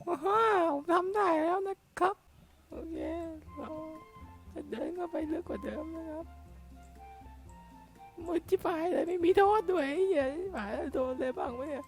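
Very high, squeaky young game hero: excitable, easily startled, cursing. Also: male voice, normal speed, soft background music. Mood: excited. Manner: excitable, yelps and curses when startled. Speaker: game caster. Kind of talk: playing and narrating a block-building game in a put-on voice.

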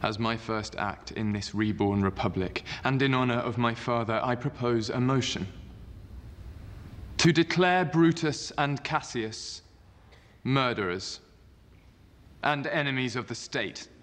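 An actor playing a cold, self-possessed young Roman consul, delivering formal, deliberate political oratory in a screen drama. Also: male voice, medium pitch, a bit bright, close to an everyday voice. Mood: solemn, resolute. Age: young adult. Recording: echoing hall, background noise.

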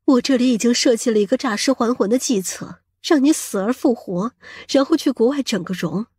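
A woman's voice: fairly high pitch, fairly quick, a little mellow, breathy edge, no room sound, studio quality. A woman playing a vain, scheming middle-aged mother in an audiobook, with a scolding, boastful and coarse-tongued manner. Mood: plotting. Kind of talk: audiobook character acting.

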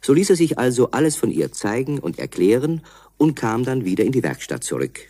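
A man's voice: medium pitch, sing-song, a little fast, warm tone, no room sound. A man narrating a children's story as a scripted storyteller.

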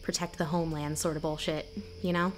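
Actress as a low-voiced, candid local woman. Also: flat delivery, a little fast, a little hiss or hum, close to an everyday voice. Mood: wry. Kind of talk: audio drama dialogue.

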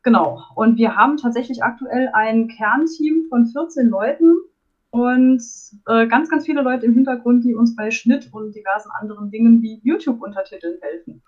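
A woman's voice: fairly high pitch, moderate pace. A woman in her forties from Saarland, Germany, chatting casually as a podcast member. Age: 40s. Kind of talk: casual group chat. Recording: dull, lo-fi voice chat.

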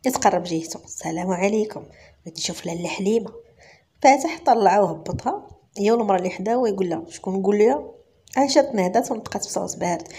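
Rapid Moroccan woman storyteller. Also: medium pitch, slightly rough. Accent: Moroccan Arabic. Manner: rapid, even reading. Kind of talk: scripted story narration.

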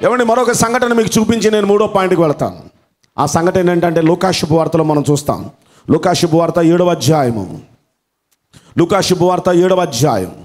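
A man's voice: sits high, lively intonation, fairly quick, a little mellow. A man preaching a sermon as pastor, telling a story dramatically, repeating phrases for emphasis and calling out hallelujah. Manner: fervent, exclaims hallelujah.

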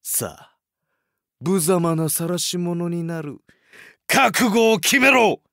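Vengeful anime bad guy, menacing n drawn out, sharp forceful voice, cruel, swoops around. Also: high voice, lively intonation, slow pace, dry recording, studio quality, exaggerated voice. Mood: gloating, vengeful. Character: vengeful, sadistic sword-fighting villain. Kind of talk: anime-style dramatic acting.

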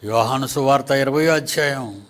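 A man's voice: medium pitch, normal speed. A man preaching a sermon to his congregation, teasing the listeners with rhetorical questions.

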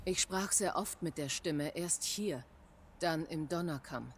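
A woman's voice: sits low, measured pace, a little hiss or hum. A woman playing a devout middle-aged tribal shaman in a video game, speaking in grave, formal, dramatic phrases. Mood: grave, reminiscing.

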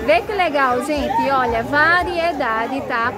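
A chatty northeastern woman with a high voice gushes over bargains as she films an open-air market on her phone. The crowd of shoppers is clearly heard behind her. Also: slow pace, loud music behind the voice. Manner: gushing, chatty, repeats "minha gente". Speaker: shopping vlogger. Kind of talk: excited market walkthrough. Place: outdoor clothing market stalls. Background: busy market crowd.

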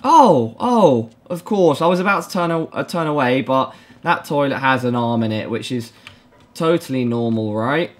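A young man with a mid-range voice, speaking at normal speed from a small room at home, gives scared, reactive commentary on a horror game. He nervously pleads and repeats himself, often slipping in dry jokes.

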